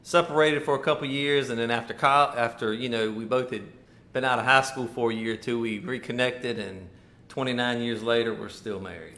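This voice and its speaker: An easygoing man in his fifties from Virginia, chatting as an interview guest. He talks in loose, meandering phrases at an ordinary pitch. The room around him sounds roomy and echoey. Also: steady tone, brisk, pushed and bright. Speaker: mayoral candidate guest. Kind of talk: casual interview conversation.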